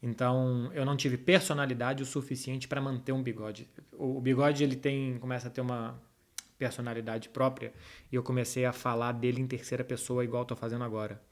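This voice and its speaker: A man with a Brazilian Portuguese accent hosts a football chat, answering viewers' questions and talking informally straight to his followers. His medium-pitched voice shows little pitch movement and runs a little fast as he offers football analysis.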